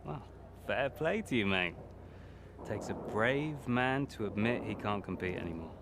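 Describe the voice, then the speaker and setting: A smug racer who gossips and mocks, lively pitch, faint background noise. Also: male voice, measured pace, gravelly. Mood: teasing. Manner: teasing, mocking, laughs a lot. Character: smug gossiping male racing driver, mocking.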